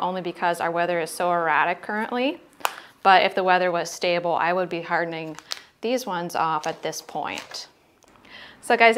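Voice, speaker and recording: An American woman with a slightly low voice gives a casual gardening demonstration. She talks chattily and straight to her viewers. There is clear ambient noise behind her from recording around a home and garden. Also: fairly bright tone. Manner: chatty, addresses viewers directly. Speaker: gardening vlogger. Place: home garden outdoors and inside the house.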